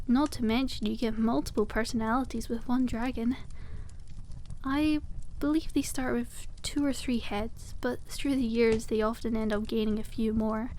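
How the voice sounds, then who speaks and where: A woman voicing a cute, friendly witch shopkeeper in a soft-spoken ASMR roleplay, explaining things with gentle enthusiasm. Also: fairly high pitch, slight background noise, close to an everyday voice, low-quality recording.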